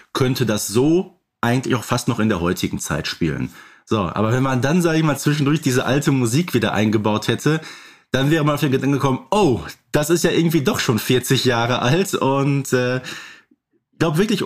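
A middle-aged man co-hosting a podcast, talking casually and explaining at length in a rambling way with frequent filler phrases. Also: mid-range voice. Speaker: podcast co-host. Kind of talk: casual conversational podcast talk.

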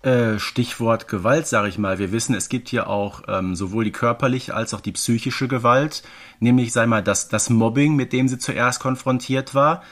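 Colloquial man podcast host, medium pitch. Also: moderate pace, a bit bright. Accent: German. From Ruhr region, Germany. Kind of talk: conversational podcast commentary.

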